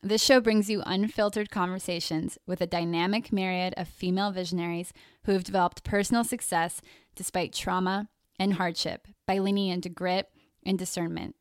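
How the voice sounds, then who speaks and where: A woman's voice: lowish voice, steady tone, normal speed, smooth, no echo, studio quality. A woman hosting an interview podcast, reading a polished scripted introduction and then chatting casually with her guest. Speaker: podcast host.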